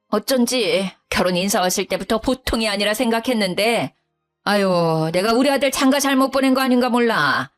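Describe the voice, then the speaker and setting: A woman voicing a domineering older mother-in-law who scolds and talks down to her daughter-in-law. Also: natural voice. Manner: scolding, shrill, condescending.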